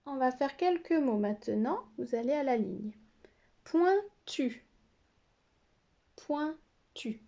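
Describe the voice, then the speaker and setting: A woman teacher giving a slow, careful phonics lesson to young pupils, spelling out letters and syllables. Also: high-pitched, animated, gravelly, warm tone, dull audio. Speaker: primary school teacher.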